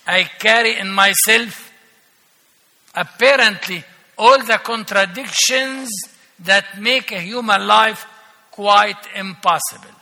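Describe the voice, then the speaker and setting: An older Palestinian man preaching a guest sermon in a large church, emphatic and slow with ironic humor. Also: high-pitched, sharp tone. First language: Arabic. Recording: echoey church hall.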